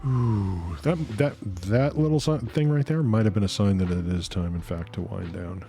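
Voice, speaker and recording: A man's pitch swings very widely as he talks at a moderate speed, music playing behind him. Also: fairly low pitch for a man. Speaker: Twitch streamer. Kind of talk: casual livestream chat. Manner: low-key.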